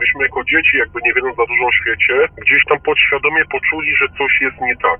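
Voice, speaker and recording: Noticeable background noise fills the backdrop. Against it, a man rattles along very fast. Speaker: UFO witness. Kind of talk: testimony. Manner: halting.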